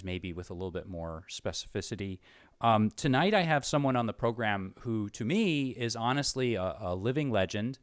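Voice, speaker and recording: A man hosting an interview show in an unscripted, conversational way, halting and repeating words, earnest and effusive. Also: lowish voice, a bit bright, clean tone, no room sound, studio quality.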